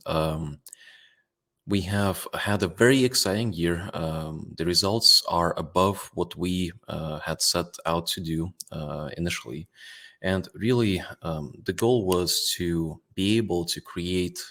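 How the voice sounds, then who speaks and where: A low-voiced Latvian man in his thirties, with a Latvian-Russian accent, presents company results to investors. His manner is relaxed and full of fillers.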